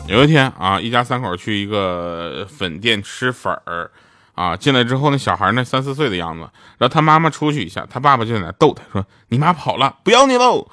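A young man telling short jokes in a stand-up monologue, deadpan, acting out the people in his stories. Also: fairly low pitch, a little fast, no echo, studio quality, faint music behind. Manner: deadpan storytelling, acting out the voices in his anecdotes. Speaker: stand-up comedian.

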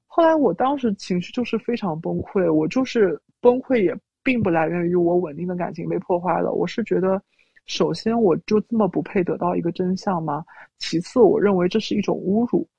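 A woman's voice: on the low side, a little fast, creaky, dark tone, slightly rough, dry recording. A woman guest telling a personal story through a voice changer, often quoting her own words. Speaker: interview guest. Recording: dull lo-fi audio.

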